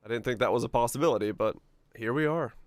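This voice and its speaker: A man's voice: mid-range voice, fast talker, no echo. A man from Finland chatting casually and informally with viewers as a game livestreamer, musing aloud with some mild swearing. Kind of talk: casual chat with stream viewers.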